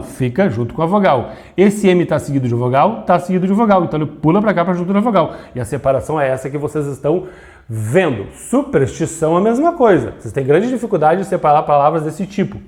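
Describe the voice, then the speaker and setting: Male grammar teacher, slightly high voice, animated delivery, walks students through rules by asking and answering himself. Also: fast. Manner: explains step by step, asks and answers his own questions; stretches out syllables to demonstrate. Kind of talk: video grammar lesson.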